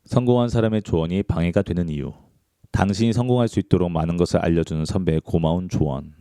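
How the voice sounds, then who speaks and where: A man with a very low, gravelly voice reads a book aloud in a calm, measured audiobook style. His tone is dark and mellow, and the recording is close and dry with no room sound. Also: dry recording. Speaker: book reader.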